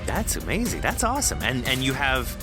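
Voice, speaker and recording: A man's voice: mid-range voice, wildly swooping pitch, a little fast, over music. A man hosting a casual interview, informal, enthusiastic and encouraging with his guest. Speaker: podcast host interviewing an author.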